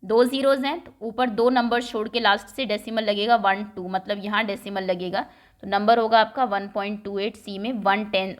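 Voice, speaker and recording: A woman maths teacher explaining a lesson step by step, patient and clear, often checking in with the class. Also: medium pitch.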